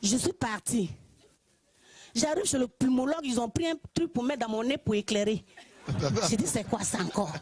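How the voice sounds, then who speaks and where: Ivorian woman, husky and higher-pitched, telling a church testimony with lively humor. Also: normal speed, no room sound. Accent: Ivorian French. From Côte d'Ivoire. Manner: lively storytelling, often laughing. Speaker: church member giving testimony.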